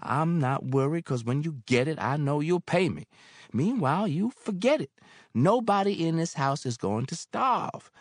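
Male narrator doing an older motherly landlady for an audiobook, scolding and warmly bossy, lively sing-song lines, dry studio. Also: on the high side, normal speed, no room sound, pitched above the performer's own voice. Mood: gruff reassuring. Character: older motherly landlady, gruff but kind-hearted. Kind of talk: audiobook character voice.

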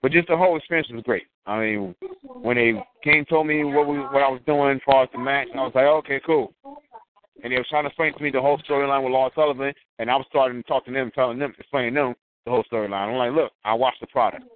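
A man telling animated stories in a casual chat, acting out quotes in a raised voice. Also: medium pitch, fast talker. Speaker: guest wrestler. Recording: tinny phone-line audio.

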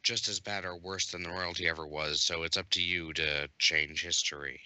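Very deep-voiced man chatting. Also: steady tone, moderate pace, pushed and bright, no echo. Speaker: podcast co-host. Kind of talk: casual chat.

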